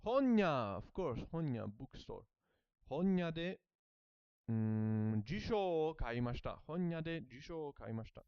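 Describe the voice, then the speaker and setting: Working through his studies aloud, a man whose first language is German speaks hesitantly, repeating words as he sorts them out and letting out small self-conscious laughs. His voice is smooth, a little high and sing-song, delivered at a measured pace. The recording is dry with no room sound, slightly muffled.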